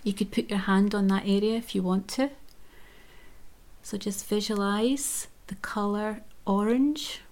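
A woman guiding a chakra meditation in a soft, gentle whisper. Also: mid-range voice, steady tone, measured pace. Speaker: meditation guide.

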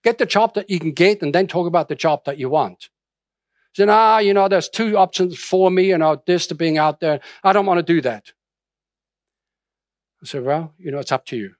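A man's voice: fairly high pitch, normal speed, dry recording, studio quality. A middle-aged man from Austria preaching a sermon in a conversational way, with many restarts and fillers. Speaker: pastor.

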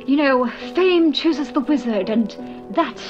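A woman's voice: sits high, expressive, takes it slowly, a little mellow, muffled recording, soft background music. Gilderoy Lockhart, a woman playing a vain celebrity wizard on an old recording. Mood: boastful. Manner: boastful, self-promoting, evasive. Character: vain boastful male celebrity wizard, charming fraud.

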